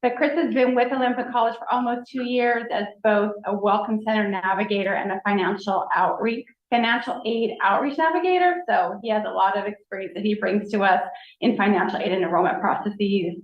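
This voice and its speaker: A woman's voice: mid-range voice, brisk. A woman who directs a college advising office, presenting new staff at a board meeting in an upbeat, enthusiastic way. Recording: echoey room, dull lo-fi sound.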